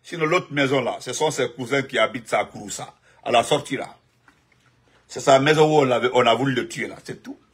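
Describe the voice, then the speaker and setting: Speaking a little fast in a slightly rough, medium-pitched voice, this man from Guinea rambles through live political commentary. He's emphatic and repetitive, and he keeps interrupting himself to say hello to viewers by name as he jumps from topic to topic.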